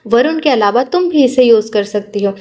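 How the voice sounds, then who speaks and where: A woman's voice: fairly high pitch, animated, moderate pace, darkish tone, lightly acted. Audiobook: teasing, affectionate young CEO husband, read by a woman. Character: young man, a confident romantic CEO.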